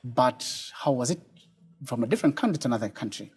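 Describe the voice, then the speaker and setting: A man from Kenya, hosting a TV interview and asking questions with shifting loudness. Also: medium pitch, expressive, fast, husky. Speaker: TV show host.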